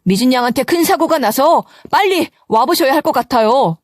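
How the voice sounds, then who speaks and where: A woman's voice: high voice, lively intonation, moderate pace, no echo, studio quality, pitched above the performer's own voice. A woman doing a polite, urgent hospital caller.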